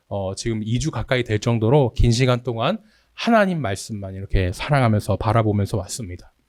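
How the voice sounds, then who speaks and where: Expressive male pastor preaching. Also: mid-range voice, no room sound, studio quality. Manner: expressive preaching, acts out anguished prayers in a raised voice. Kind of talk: sermon. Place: church sanctuary.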